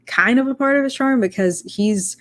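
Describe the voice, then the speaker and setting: A woman's voice: fairly high pitch, normal speed. A young woman in casual discussion, talking in a rambling way with many fillers and restarts.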